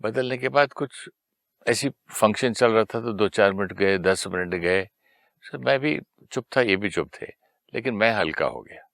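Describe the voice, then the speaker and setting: Deep-voiced Indian man telling a story. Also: unhurried, creaky, fairly bright tone, no room sound, clean studio sound. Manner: anecdotal, acts out quoted dialogue. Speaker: guest. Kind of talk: storytelling in conversation.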